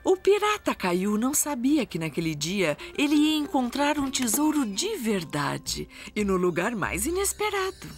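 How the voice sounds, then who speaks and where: Lively Brazilian woman narrating children's stories. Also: fairly high pitch, moderate pace, few pauses. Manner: expressive storytelling. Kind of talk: scripted children's story narration. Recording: music behind the narration.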